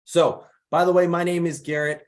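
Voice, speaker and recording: A young man from the Chicago area hosts a casual online mentor workshop over a video call. He is slightly raspy from allergies and chats easily, reading out attendees' names and where they are from. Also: fairly high pitch, level tone, normal speed. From Chicago area, United States. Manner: chatty, reads out attendees' names and places. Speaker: program founder hosting a mentor workshop.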